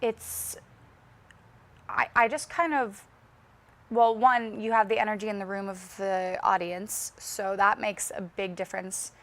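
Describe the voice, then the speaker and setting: A young woman singer being interviewed, speaking slowly and carefully enunciating each word in a relaxed, chatty way. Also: medium pitch. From Las Vegas. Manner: slow, carefully enunciated speech. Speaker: singer guest. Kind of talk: casual interview chat.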